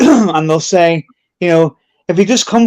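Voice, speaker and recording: A man speaks in a Northern Irish accent, high in pitch with a dark, mellow tone. The sound is dry and close, with no echo. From Northern Ireland, Belfast. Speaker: podcast host, paranormal investigator. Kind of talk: casual chat. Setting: live video call show.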